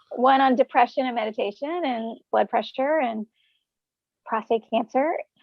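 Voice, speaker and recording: A woman speaks softly with a high pitch. Her intonation stays fairly even. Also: moderate pace. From US South, North Carolina. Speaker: journalist and writer. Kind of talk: interview conversation. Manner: soft-spoken.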